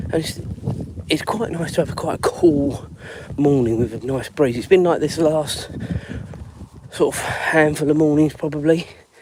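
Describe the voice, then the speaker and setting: Against noticeable background noise, a man with a fairly high pitch keeps a moderate pace and ordinary pitch variation. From home counties north of London, England. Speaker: dog walker vlogger. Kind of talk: live stream casual chat. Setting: outdoors, walking dog.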